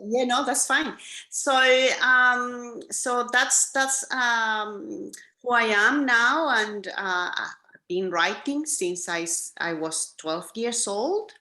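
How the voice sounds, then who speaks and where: A woman in her forties from Chile, a teacher and author, speaking as an interview guest in an unhurried, modest way with soft laughs. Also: fairly high pitch. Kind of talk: casual interview chat. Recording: roomy echo.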